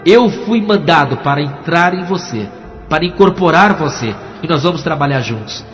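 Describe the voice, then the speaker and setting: A commanding female demon spirit speaks slowly and ominously, as a man quotes her in his testimony. The voice sits a little high, and it echoes in a long, dull-sounding hall. Soft music runs underneath. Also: lively intonation.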